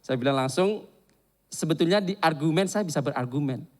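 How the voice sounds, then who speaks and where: A man preaching a sermon and telling a candid personal story in an animated, confessional way. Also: on the high side, normal speed.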